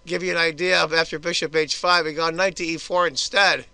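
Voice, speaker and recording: A hoarse man giving casual, chatty move-by-move commentary on a chess game for his video channel. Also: on the high side, flat delivery, brisk, bright, forceful tone, dry recording.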